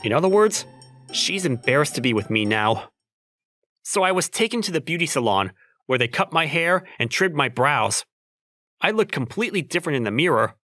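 A man's voice: a little high, sing-song, normal speed, bright, forceful tone, no room sound. A young man playing an awkward, self-doubting single guy in a manga dub, with a wry, self-questioning manner. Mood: wry narrating. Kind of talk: manga dub acting and narration. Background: music.

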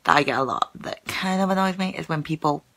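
A woman's voice: deep voice, lively intonation, brisk, fairly bright tone. A young woman who stammers, chatting casually with her viewers in a live stream, full of fillers and repeated words, filmed on a phone at arm's length in a small room. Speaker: channel host who stammers. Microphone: phone held at arm's length.

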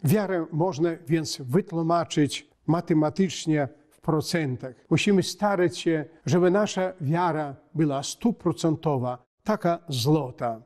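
A man speaks as a priest giving a short sermon. His voice sits a little high and moves very slowly. He is solemn and measured, breaking thoughts into short phrases. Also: darkish tone. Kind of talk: short homily, read from notes. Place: inside a wooden church.

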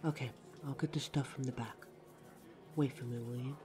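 A man's voice: mid-range voice, fairly even intonation, moderate pace, natural voice. A man playing an ageless, easygoing coffee house worker in an audio drama, chatting casually and fondly. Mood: relaxed, fond. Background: music.

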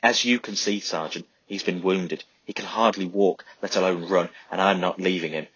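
A man voicing a loyal young soldier who speaks quietly and steadily. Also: low-pitched, steady tone, moderate pace, breathy edge, no echo. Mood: firm. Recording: slightly dull lo-fi recording.

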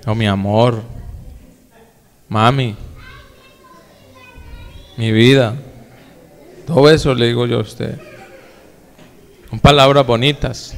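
A man's voice: medium pitch, steady tone, slow, long pauses, fairly bright tone, clear, resonant tone. A male pastor preaching a sermon, talking casually to his congregation and asking them questions. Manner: folksy, addresses the congregation directly with questions. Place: church. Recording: echoey church hall with long reverb.

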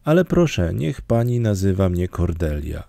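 A man's voice: big pitch swings, normal speed, gravelly, dark tone, dry recording, exaggerated voice. A man voicing an emotional, talkative orphan girl in an audiobook, pleading and theatrical. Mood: dreamy pleading. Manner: pleading, theatrical, raised higher voice. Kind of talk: audiobook character reading.

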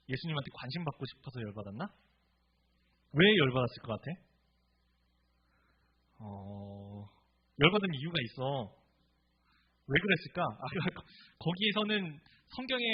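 A man's voice: mid-range voice, slightly rough. A male pastor giving a casual, interactive sermon in a church room, speaking informally and quizzing his listeners with repeated questions. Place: church room with a group of forty or fifty. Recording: dull lo-fi recording.

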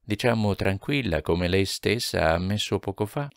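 A man reading aloud voices a shy, tender middle-aged bookseller who speaks hesitantly and gently. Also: low voice, animated, moderate pace, creaky, no room sound, studio quality, pitched above the performer's own voice. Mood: gentle.

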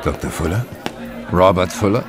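An actor playing a cool, sardonic demon hunter in a radio play, speaking in a dry, curt, deadpan way. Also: male voice, low-pitched, moderate pace. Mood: probing, smooth. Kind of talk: German radio play acting. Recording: party crowd and music behind.

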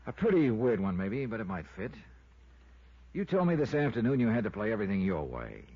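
A tough wry american insurance detective, deep husky voice, old radio show. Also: male voice, sing-song, fairly quick, exaggerated voice. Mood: challenging. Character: tough, sardonic, soft-hearted male insurance investigator. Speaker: lead actor and narrator. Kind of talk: 1950s radio detective acting. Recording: dull, muffled vintage radio recording.

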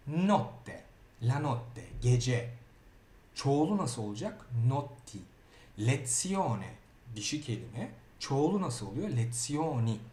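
A Turkish-speaking man teaching grammar in a lively way, often checking in with the learner. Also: mid-range voice, reverberant. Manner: lively, repeats words and asks "okey?". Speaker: Italian teacher. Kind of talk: grammar lesson.

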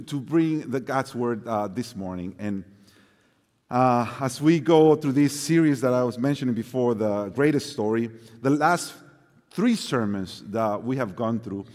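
A man in his fifties with a Mexican accent preaching a sermon on a church stage, earnest and repeating his key phrases. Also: mid-range voice. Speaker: pastor. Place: large church stage with orchestra instruments. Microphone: lapel mic. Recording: long hall reverb.

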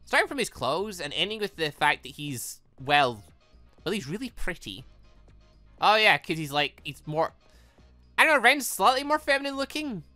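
Chatty let's play host, lively and bright. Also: mid-range voice, moderate pace, no room sound, faint music behind. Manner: chatty, rambling, laughs often. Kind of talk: casual reading of a visual novel with commentary.

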